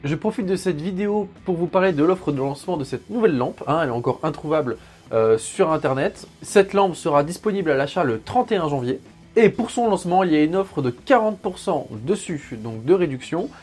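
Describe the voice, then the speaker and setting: Over soft background music, a man reviews gear in a sponsored unboxing video, his husky, darkish voice pitched on the high side. He's animated and brisk, joking around and walking through every step with plenty of fillers.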